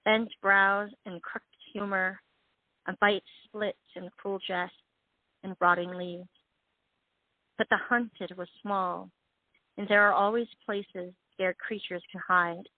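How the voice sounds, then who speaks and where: A woman caller comes through a thin, tinny phone line held to her ear. Her voice is dry with no room around it. She laughs easily and reads her poem aloud at an even pace, in a mid-range voice. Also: medium pitch, takes it slowly, no echo. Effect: heard over a phone line.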